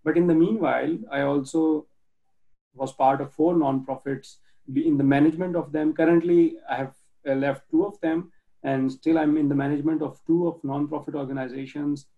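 A man from Pakistan talking earnestly about his nonprofit work as a guest on a video call, halting often with restarts and fillers. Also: a little high, fairly even intonation, vocal fry, phone-quality sound. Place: home in Germany.

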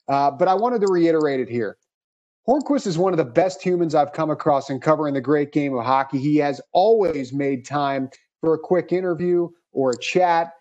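Male podcast host, slightly high voice, fluent and upbeat, reads from a script. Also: a little mellow. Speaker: podcast host and hockey reporter.

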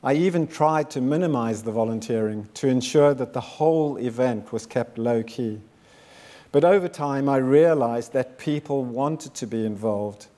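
A man's voice: mid-range voice, mellow. Earnest man in his fifties giving a speech. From South Africa. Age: 50s. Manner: measured, earnest, builds with repeated phrases. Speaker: founder giving a talk. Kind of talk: prepared speech to an audience.

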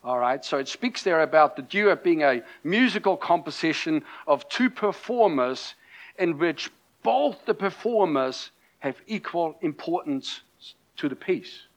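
A man's voice: fairly high pitch, expressive, unhurried. A middle-aged man from Austria with a German-accented English, preaching a conversational sermon with many fillers and restarts. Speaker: pastor.

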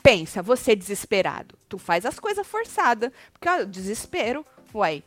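A woman's voice: mid-range voice, sing-song, normal speed, faint music behind. A woman co-hosting a live reality-show commentary chat, retelling events animatedly and acting out quoted lines with dramatic emphasis.

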